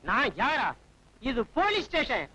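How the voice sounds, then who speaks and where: A mocking head constable. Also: male voice, extremely high pitch, sing-song, a little slow, pushed and bright, full character voice, rough recording. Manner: mocking, lecturing. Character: sarcastic middle-aged male head constable.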